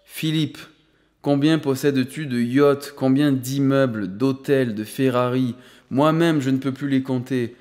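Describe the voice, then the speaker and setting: Homme jouant un vieux patriarche riche, exalté et généreux. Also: male voice, mid-range voice, a little slow, darkish tone, natural voice. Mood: firm. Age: older. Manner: enthusiastic, emphatic, playful. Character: exuberant elderly rich grandfather, suddenly generous. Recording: long hall reverb.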